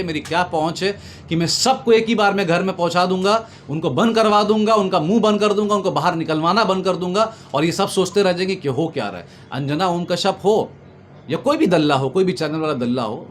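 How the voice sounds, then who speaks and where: High-pitched man arguing emphatically. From Bengal, India. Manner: emphatic, repetitive, oratorical lists. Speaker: political commentator being interviewed. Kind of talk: impassioned political argument. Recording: noticeable background noise.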